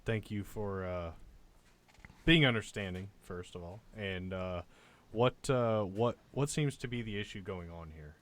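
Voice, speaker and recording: A man's voice: fairly low pitch, measured pace, a bit bright. A man playing a tabletop game, improvising casually in character and often repeating words as he goes.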